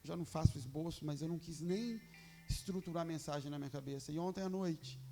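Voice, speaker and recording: A man's voice: fairly high pitch, fast, music in the background. A man with a Brazilian Portuguese accent preaching a sermon in church, earnest and fervent, moving into a prayer that keeps returning to "Father".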